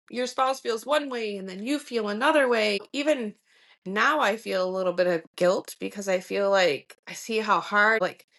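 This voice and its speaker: A woman's voice: medium pitch, a bit bright. A woman in her forties talking through family life as a podcast guest, reflective and full of fillers. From Michigan. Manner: reflective, many fillers like um and you know. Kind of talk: casual interview conversation.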